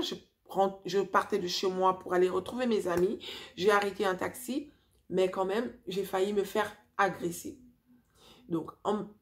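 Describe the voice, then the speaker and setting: A woman in her forties from Africa, telling a personal story to her viewers in a chatty, animated way with many fillers and restarts. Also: mid-range voice. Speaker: vlogger. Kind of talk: casual storytelling to camera.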